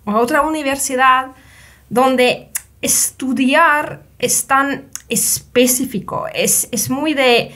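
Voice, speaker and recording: A woman's voice: high voice, slow pace, bright, forceful tone. A woman from Finland, a podcast guest speaking a second language carefully, often correcting herself. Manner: careful, non-native, self-correcting. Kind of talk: conversational interview.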